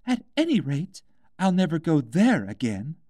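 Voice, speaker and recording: A man's voice: on the high side, huge pitch swings, a little slow, dark tone, dry recording, studio quality, pitched above the performer's own voice, heavily acted. A man voicing a polite but easily offended, curious young girl in a storybook. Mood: curious, decided.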